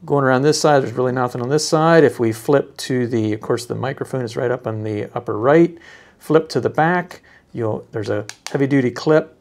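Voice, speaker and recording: A man giving a casual, unscripted product demonstration, speaking haltingly as he thinks aloud. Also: medium pitch, a little mellow.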